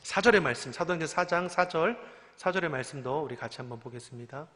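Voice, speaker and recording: Male pastor, bright forceful voice, preaches with pointed rhetorical questions; long church reverb. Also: fairly high pitch, fast. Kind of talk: sermon. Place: church sanctuary.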